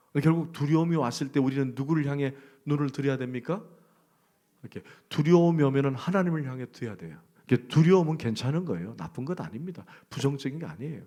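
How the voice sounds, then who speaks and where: A middle-aged man preaching a sermon, talking conversationally and asking the congregation questions. He swings from loud emphasis to hushed, near-whispered lines. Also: a little high. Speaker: pastor.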